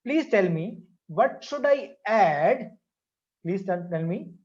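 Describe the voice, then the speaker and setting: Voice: medium pitch, lively intonation, slow pace, a little mellow, highs cut off. A teacher with a South Asian accent leading an interactive online maths class, repeating phrases and questions to prompt pupils.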